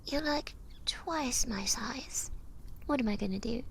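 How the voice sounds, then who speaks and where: A woman voicing a little old goblin swindler in an ASMR roleplay, with a breathy, gravelly voice and folksy, wheedling patter. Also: fairly high pitch, unhurried, a bit bright, a little hiss or hum. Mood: coaxing. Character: cute little old goblin swindler, smooth-talking, slyly menacing.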